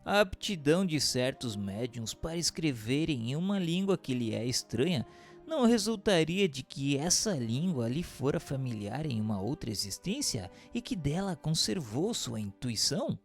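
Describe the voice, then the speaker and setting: A man's voice: mid-range voice, big pitch swings, normal speed. A man giving a formal, declamatory scripted reading as narrator and questioner in a radio drama. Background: faint music.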